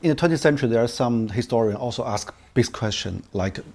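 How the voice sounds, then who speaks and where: A man's voice: mid-range voice, fast talker, darkish tone. Chinese-speaking male interviewer, constant "mm". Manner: non-native English, many short "mm" backchannels.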